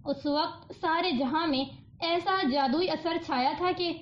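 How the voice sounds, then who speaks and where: A woman narrating a novel as an audiobook, with an even storytelling delivery. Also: very high voice. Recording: dull lo-fi audiobook recording.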